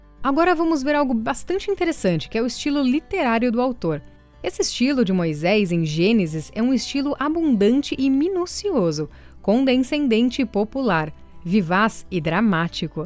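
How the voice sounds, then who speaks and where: A woman's fairly high voice at a moderate pace, with very wide pitch swings and very even loudness, over music in the background. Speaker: voice-over artist. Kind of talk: Bible study narration.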